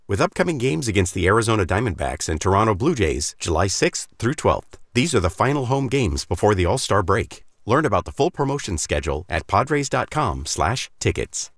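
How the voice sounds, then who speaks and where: A man's voice: on the low side, big pitch swings, normal speed, hardly any pauses, dry recording, studio quality. A man reading a station promo in an upbeat, scripted way. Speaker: station announcer.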